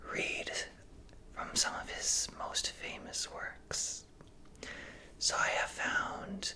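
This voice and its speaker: Someone is whispering at a very slow pace with long, frequent pauses, over noticeable background noise. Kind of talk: ASMR story introduction. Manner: whispered, soft.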